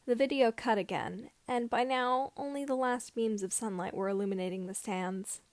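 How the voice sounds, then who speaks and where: A woman narrating scripted fan fiction as an amateur reader, with somewhat halting phrasing. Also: a little high, darkish tone, no echo.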